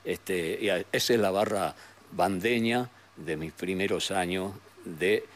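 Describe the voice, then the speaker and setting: An older man with a northwestern Argentine accent, telling memories as an interview guest in a rambling, halting way with frequent tag questions. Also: sits low. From San Salvador de Jujuy, Argentina. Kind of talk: reminiscing in a conversational interview. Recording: noticeable background noise.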